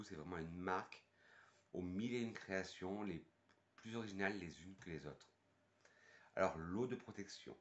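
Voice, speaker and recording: A man's voice: low-pitched, dull audio. A man from France with a French accent, casually reviewing perfumes and thinking aloud with fillers and restarts. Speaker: perfume youtuber and sales advisor.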